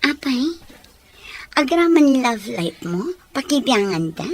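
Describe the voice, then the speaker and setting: Woman acting a high-voiced polite young Filipina. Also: sing-song, takes it slowly, slight background noise, full character voice. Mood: sympathetic. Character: polite, humble young woman from poor farming family. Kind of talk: Ilocano audio drama acting.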